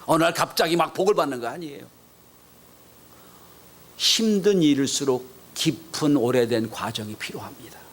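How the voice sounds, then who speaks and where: A male pastor preaching a Sunday sermon in a church, acting out quoted voices and dropping to soft whispers for emphasis. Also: a little high, normal speed, pauses often. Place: church sanctuary.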